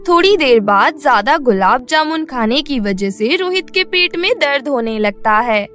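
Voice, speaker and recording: A woman narrating a cartoon bedtime story in an even storytelling manner. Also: high voice, normal speed, faint music behind.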